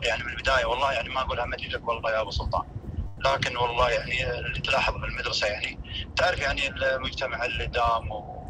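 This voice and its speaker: A man, a former teacher on a phone call, speaking slowly and measured with many hesitations. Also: mid-range voice, fairly even intonation, noisy background. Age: 50s.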